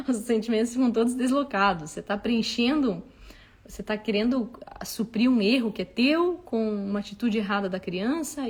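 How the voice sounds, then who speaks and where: A woman giving parenting advice to an audience in a casual, expressive talk. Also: medium pitch. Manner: expressive, acts out dialogue with children. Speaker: parenting advice speaker and mother.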